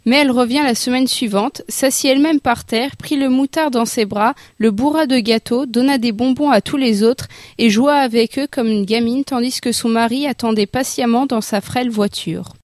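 A woman narrating a classic story in a flowing, even manner. Her voice sits fairly high and is recorded close and dry. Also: normal speed, hardly any pauses, no room sound. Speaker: audiobook narrator. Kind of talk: literary audiobook reading.

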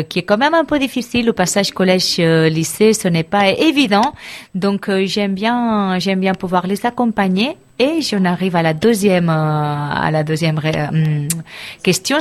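A middle-aged woman from Barcelona, a school life counselor, answering interview questions thoughtfully, with frequent pauses and restarts. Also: on the low side. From Barcelona, Spain.

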